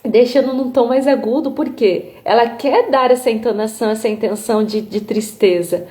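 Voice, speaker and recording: A Brazilian woman music therapist gives a live online lecture over a phone stream, her voice a little high and dark-toned at a moderate pace. She explains patiently, tags her sentences with little checks, and demonstrates intonations with her own voice.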